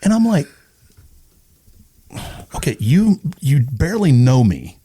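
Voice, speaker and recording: A man's voice: a little high, very animated, takes it slowly, mellow, husky. A middle-aged man from East Texas chatting casually as a podcast guest, retelling stories with quoted dialogue. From East Texas, USA. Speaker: podcast guest, radio personality. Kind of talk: casual conversational storytelling.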